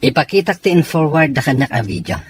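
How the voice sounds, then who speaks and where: A man's voice: a little high, lively intonation, fast talker, a little hiss or hum, natural voice. A man playing a stern, suspicious soldier in a serial drama, with a firm, questioning manner. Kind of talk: Ilocano serial drama acting.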